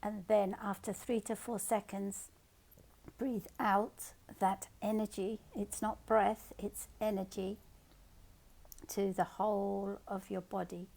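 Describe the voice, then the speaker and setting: A woman leading a guided meditation, giving soft instructions with repeated phrasing. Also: medium pitch, little pitch movement, takes it slowly, creaky.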